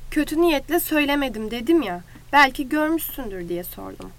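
A hot-headed young brawler, put on by a woman reading a storybook, spitting out quick, aggressive threats. The voice sits a little high and bites hard. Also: animated. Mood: defensive. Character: short-tempered young male brawler.

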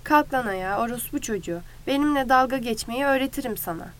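A woman's voice: high voice, animated, a little fast, fairly bright tone. A woman voicing a hot-headed, quarrelsome young man in a storybook reading. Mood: furious. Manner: picks fights, snarling. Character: hot-headed short young male rancher's son.

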